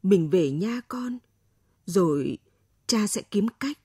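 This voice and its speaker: A woman reading a story aloud, voicing a gentle aging father who talks slowly and tenderly. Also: sits high, animated, breathy edge, no room sound, studio quality, heavily acted. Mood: gentle pleading.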